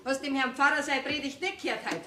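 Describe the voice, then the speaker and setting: An actress with a Bavarian accent playing a fed-up middle-aged farmer's wife with scolding, dry retorts, on a theater stage. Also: female voice, high-pitched, fast, background noise, close to an everyday voice. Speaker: stage actor. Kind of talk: folk theater comedy acting. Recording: echoey stage recording.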